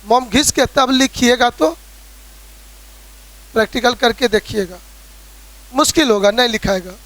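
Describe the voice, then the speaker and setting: High-voiced physics teacher with Bihari accent. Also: male voice, measured pace, a bit bright. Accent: Bihari Hindi. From Bihar, India. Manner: explains with everyday examples, often checks in with students. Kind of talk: classroom lecture.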